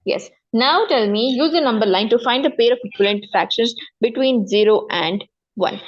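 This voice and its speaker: This maths teacher, a woman with a high voice and a South Asian accent, speaks at normal speed through slightly dull, lo-fi audio with a little hiss or hum. She goes step by step, repeats the key points and adds frequent short check-in questions.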